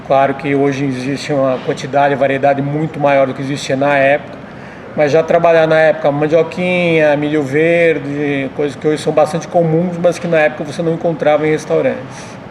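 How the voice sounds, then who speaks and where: Higher-voiced São man, creaky. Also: little pitch movement, normal speed, darkish tone, slight background noise. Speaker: restaurant owner being interviewed. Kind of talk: conversational interview answers.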